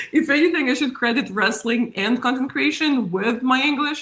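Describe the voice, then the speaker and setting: A woman speaks at a fairly quick pace with a non-native accent. Noticeable background noise can be heard. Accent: noticeable foreign. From Spain, Russian-Romanian family. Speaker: wrestling content creator. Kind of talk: podcast interview.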